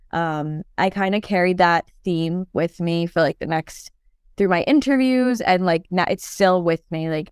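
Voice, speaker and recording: A young woman from New York talks through her path as a student in a relaxed podcast chat, peppering her speech with "like" and "um." Her voice is a little low for a woman and very smooth and clean. It sits close and dry on the mic. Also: no echo. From born in Turkey, raised in New York. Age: young adult. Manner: chatty, lots of "like" and "um" fillers. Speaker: dental student guest. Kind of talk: casual podcast interview.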